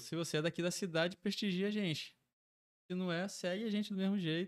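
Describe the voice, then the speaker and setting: Pitched high, a man speaks at a fairly quick pace with ordinary pitch variation. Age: 40s. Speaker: podcaster, guest. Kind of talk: casual chat.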